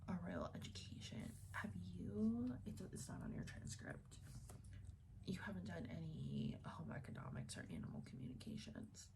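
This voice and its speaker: A woman speaking in a gentle, unhurried, breathy whisper, playing a reassuring student advisor in an ASMR roleplay. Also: sits low, huge pitch swings, noisy background.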